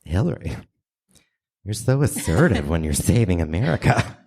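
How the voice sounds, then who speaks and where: A man's voice: sits low, very animated, moderate pace, crowd noise. A man performing comic dialogue in a staged radio play. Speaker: comedy performer.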